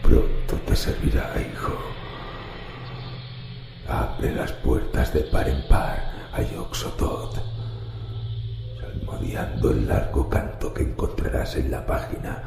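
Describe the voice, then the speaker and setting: A man playing a dying, mad old grandfather in a horror radio drama, sinister and halting, with a gravelly, gasping croak. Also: a bass voice, steady tone, exaggerated voice. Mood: dying urgency. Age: older. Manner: halting, gasping deathbed speech. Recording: roomy echo with background music.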